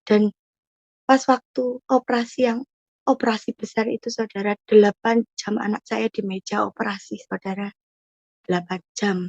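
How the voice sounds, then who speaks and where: A woman's voice: mid-range voice, steady tone, moderate pace, darkish tone, no room sound. A woman giving an emotional personal testimony, earnest and repeatedly addressing her listeners. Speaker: testimony guest. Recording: muffled dull audio.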